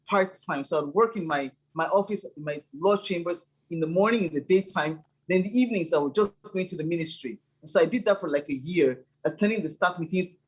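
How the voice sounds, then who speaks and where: A woman's voice: lowish voice, slightly rough, rough recording. A middle-aged woman, a church leader and former lawyer, earnestly recalling her early years in an interview answer. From Nigeria. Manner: earnest, enthusiastic, repeats words as she builds up.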